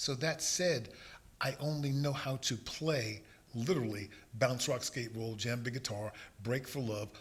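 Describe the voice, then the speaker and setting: This man's voice sits at medium pitch and is somewhat breathy. He keeps a moderate pace. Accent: New York. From New York (Yonkers). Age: 60s. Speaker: musician and record producer. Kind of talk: interview.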